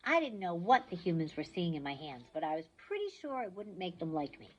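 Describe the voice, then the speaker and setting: A woman reads a novel aloud, shaping the action scenes with lively swings in pitch. Her voice has a husky edge. The recording sounds dull and muffled. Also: brisk. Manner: expressive storytelling. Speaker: reader.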